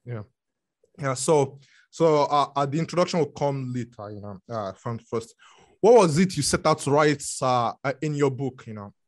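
A man with a Nigerian accent hosting a podcast interview, speaking haltingly with many restarts and fillers. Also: mid-range voice, animated. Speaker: podcast host.

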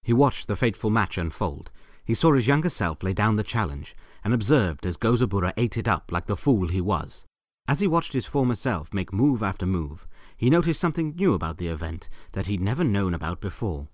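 A man's voice: on the low side, sing-song, fairly quick, no room sound, studio quality. A man narrating a scripted story in a theatrical, wry manner with ornate phrasing.

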